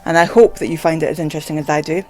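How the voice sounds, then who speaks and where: The audio is poor, with soft music underneath a mid-range, darkish voice that races along in a level tone. It's a video blogger stammering and hesitating through a filler-heavy, rambling talk to camera, saying "like" a lot.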